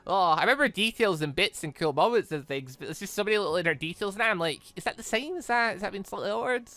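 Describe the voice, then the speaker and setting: A gaming video host giving casual, rambling playthrough commentary in an animated way, often repeating words. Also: medium pitch, fast talker, dry recording.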